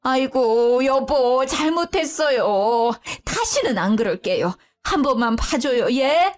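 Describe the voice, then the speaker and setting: A woman voicing a meddling older mother-in-law with a high, shrill, whiny voice in a spoken story. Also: animated, slow. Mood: begging.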